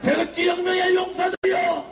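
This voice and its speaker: A man giving a fiery shouted speech at an outdoor street rally, leading chanted slogans. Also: very high-pitched, level tone, normal speed, heavy background noise. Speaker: rally speaker. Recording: echoey loudspeaker sound with crowd and music.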